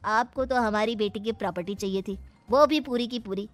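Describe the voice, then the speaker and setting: A woman's voice: on the high side, brisk, no echo, close to an everyday voice. A woman voicing a scheming older man, a bride's wealthy father, who taunts and gloats in a cartoon. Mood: gloating. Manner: smug, taunting. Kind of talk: cartoon voice acting.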